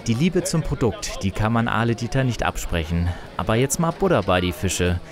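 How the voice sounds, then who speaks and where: Man, TV reporter, scripted light narration, fairly low voice, music underneath. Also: animated, normal speed.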